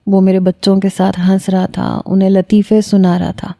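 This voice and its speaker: A woman narrating a first-person romantic story in a steady, measured, reflective way. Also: medium pitch, vocal fry, no room sound, studio quality.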